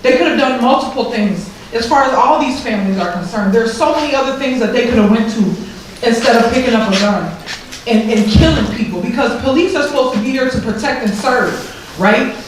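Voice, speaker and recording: Emotional woman, kinda high voice, choked up and stumbling, far off mic in a big echoey room. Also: lively intonation. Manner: impassioned, halting, repeats words. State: tearful, emotional. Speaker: grieving mother speaking at a press event. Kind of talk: emotional public speech. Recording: very echoey room, distant mic, faint noise.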